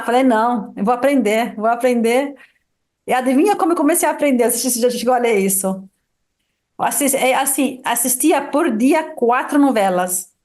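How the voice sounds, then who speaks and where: Brief: middle-aged woman, high voice, Arabic native speaker from Lebanon, chatty guest, lively storyteller with restarts. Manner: lively storyteller, many restarts and "sabe?" tags. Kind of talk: casual interview chat.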